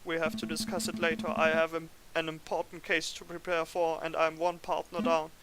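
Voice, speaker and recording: Flustered young bird lawyer in a game, read by a man, loud music behind. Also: fairly high pitch, monotone, brisk, lightly acted, poor audio. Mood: anxious.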